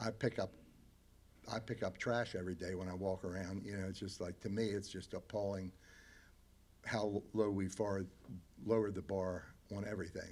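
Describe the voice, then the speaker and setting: A man with a fairly low pitch, monotone, flat intonation, a moderate pace and long, frequent pauses. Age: 70s. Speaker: public commenter at county council hearing. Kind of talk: public comment testimony. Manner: halting, with many false starts.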